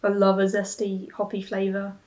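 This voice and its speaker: A young woman chats casually to camera as a reviewer, with a medium-pitched voice. She thinks aloud, hesitating and restarting mid-thought. She is recorded in a small room at home on a camera mic a short way off. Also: completely flat delivery, normal speed, darkish tone. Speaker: beer and snack reviewer. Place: small plain room at home, seated at a table.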